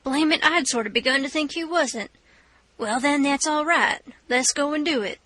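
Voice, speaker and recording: A woman reader puts on a hotheaded river robber, insistent and blunt. The voice is high and bright in a dry close recording. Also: moderate pace, no room sound. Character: hotheaded male river robber, eager to kill.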